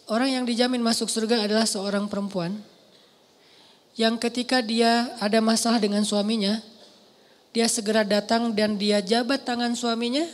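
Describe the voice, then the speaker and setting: An Indonesian-accented man preaching a sermon to a mosque audience, telling stories with lively asides. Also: sits high. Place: large mosque hall. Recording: long hall reverb.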